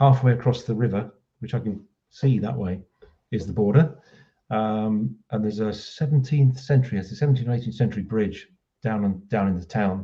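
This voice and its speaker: Speaking at a fairly quick pace with an English accent, a man has a fairly low pitch, a dark, mellow, somewhat breathy tone and ordinary pitch variation. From southern England. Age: 60s. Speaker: druid order member. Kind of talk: casual chat. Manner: halting, many fillers.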